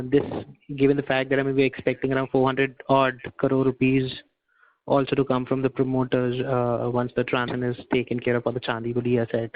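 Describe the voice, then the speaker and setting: Analyst, monotone, courteous, tinny phone audio. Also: male voice, mid-range voice. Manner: polite, hedging with "I mean". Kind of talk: earnings call question.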